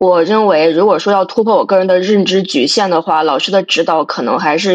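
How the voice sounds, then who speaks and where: At a fairly quick pace and with hardly any pauses, a woman of medium pitch speaks with very even loudness and ordinary pitch variation. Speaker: undergraduate caller. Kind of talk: casual call-in consultation. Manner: hesitant, many fillers.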